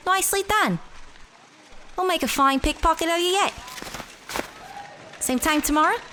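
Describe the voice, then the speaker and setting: High, bright, streetwise young pickpocket. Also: female voice, normal speed, slight background noise. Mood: teasing approval. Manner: bossy, coaxing street slang. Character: Rietta, scrappy streetwise young pickpocket mentor in old Boston. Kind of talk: audio drama acting.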